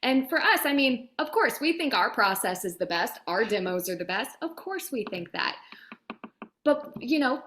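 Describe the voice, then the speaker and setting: Woman, fairly high voice, direct, emphatic, conversational interview guest. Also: big pitch swings, normal speed, fairly bright tone. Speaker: voiceover demo producer being interviewed. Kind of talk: casual interview chat.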